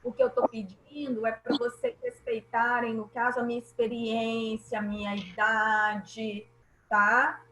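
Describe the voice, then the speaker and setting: A woman's voice: a little high, level tone, measured pace, bright, forceful tone, roomy sound, slight background noise, rough recording. A woman teacher with a Brazilian Portuguese accent, patiently explaining grammar in an online class and often checking that students follow.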